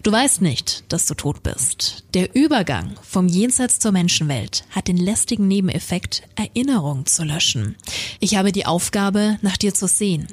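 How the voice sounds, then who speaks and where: A woman voicing Death as a calm male shadow figure, speaking low and hushed in a soothing tone. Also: moderate pace, husky, no room sound.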